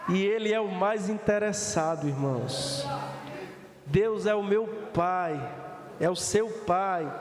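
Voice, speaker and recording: A man's voice: high voice, slow pace, crowd noise. A man with a Brazilian Portuguese accent preaching a sermon as pastor, fervent and joking, driving his points home by repeating them. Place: church hall. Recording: echoey church hall, faint noise.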